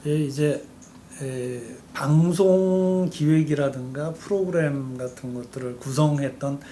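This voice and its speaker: A man guesting on a live-streamed talk show speaks with a fairly high voice and animated, storytelling energy as he walks through history at length. A faint hiss of background noise sits under the stream. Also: a little slow. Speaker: campaign spokesman.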